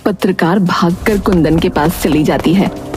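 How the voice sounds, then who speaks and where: A woman's voice: on the low side, unhurried, a little mellow, soft background music. A woman giving scripted narration for a moral story.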